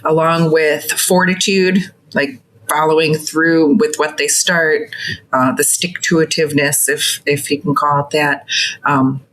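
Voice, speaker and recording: Slow-spoken woman with lowish voice. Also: fairly even intonation, a bit bright, poor audio. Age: middle-aged. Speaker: podcast panel guest. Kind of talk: considered conversational answers.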